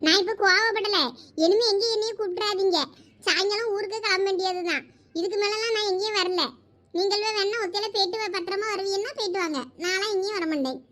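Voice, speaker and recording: A woman's voice: very high voice, fairly even intonation, quick pace, fairly bright tone. Woman putting on a fuming village auntie. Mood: sulking. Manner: scolding, complaining rant. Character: angry middle-aged village woman. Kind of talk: comedy skit acting.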